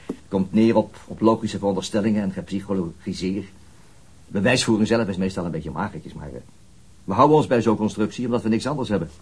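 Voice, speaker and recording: A man's voice: fairly low pitch, fast, darkish tone, breathy edge. A man playing a methodical middle-aged police detective and father in a naturalistic radio drama, dryly reasoning things through. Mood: dry, reflective.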